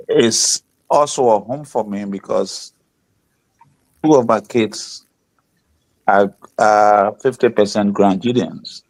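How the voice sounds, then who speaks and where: A man introduces himself on a talk panel as a psychotherapist. His voice is very low and he speaks slowly. His manner is measured, and he often repeats words while he searches for the next one. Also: darkish tone, poor audio. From Liberia.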